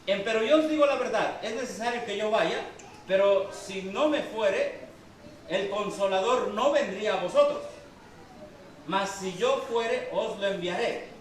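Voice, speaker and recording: High-voiced preacher in a booming hall. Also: male voice, measured pace. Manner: quizzes the congregation with questions. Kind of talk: sermon with Bible reading. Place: church hall. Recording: very echoey hall, from far off.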